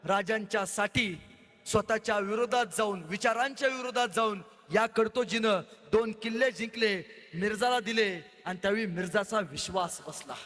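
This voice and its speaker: A man's voice: high voice, normal speed, a bit bright. A man from Maharashtra with a Marathi accent, giving an impassioned oration of history and acting out each figure. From Maharashtra, India. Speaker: orator. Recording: echoey hall with long reverb.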